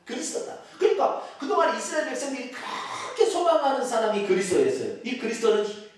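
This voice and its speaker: A male pastor preaching an animated sermon, calling out loudly and leading the congregation to repeat after him. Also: very high voice, fast talker. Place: church sanctuary. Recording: echoey church hall from far off.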